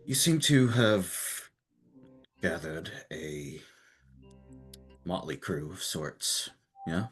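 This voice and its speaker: A man's voice: low voice, expressive, extremely slow, long pauses, soft background music, pitched below the performer's own voice, full character voice. Man playing a polite, probing adventurer.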